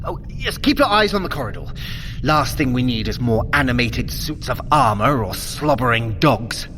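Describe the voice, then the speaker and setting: An actor playing a theatrical, sardonic and vengeful Norse god in an audio adventure, with grandiose, drawn-out delivery addressed to the listener. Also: male voice, medium pitch, sing-song, noisy background, close to an everyday voice. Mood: fussing. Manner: grandiose, dramatic, drawn-out delivery with mock-tender asides. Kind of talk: dramatised fitness audio adventure, speaking to the listener.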